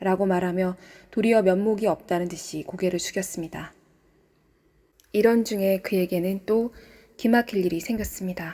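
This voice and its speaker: A woman speaks with a dark, mellow tone at a medium pitch. Her intonation is fairly even, broken by long, frequent pauses. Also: moderate pace. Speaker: voice actor. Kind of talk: audiobook reading. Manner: precise pronunciation.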